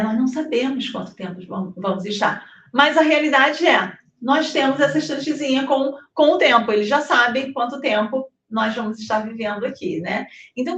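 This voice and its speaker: A woman with a fairly high voice gives a lively devotional talk, peppering it with tag questions and acted-out exchanges. Her voice carries a roomy echo, and she sounds a little distant from the microphone. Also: slight background noise. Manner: animated, tag questions, acts out dialogue. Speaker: spiritist speaker. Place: hall in New Jersey.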